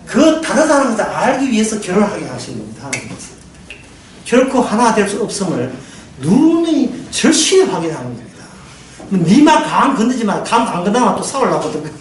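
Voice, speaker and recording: A man preaching a sermon as pastor, lively, often laughing and asking his listeners questions. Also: sits high, far from the mic. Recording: very echoey hall, mic from afar, faint noise.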